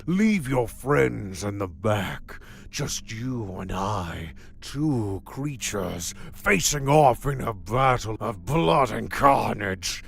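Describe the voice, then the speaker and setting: A man playing a bloodthirsty swamp werewolf wrestler, gravelly and raspy, delivering a menacing, taunting challenge promo. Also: fairly low pitch, expressive, slow pace, exaggerated voice.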